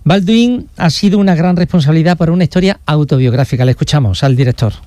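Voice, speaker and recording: A man's voice: fairly high pitch, quick pace, dark tone, no room sound. A man, chatting on the radio as a correspondent in a jokey, self-mocking, rambling way. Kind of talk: casual radio chat.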